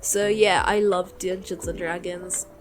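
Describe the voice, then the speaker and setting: A woman who is sick, chatting informally and enthusiastically in a rambling, halting way, as if on a solo podcast. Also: lowish voice, flat delivery, soft background music. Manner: hesitant, halting, rambling delivery; informal, enthusiastic, mild swearing. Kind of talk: casual rambling chat.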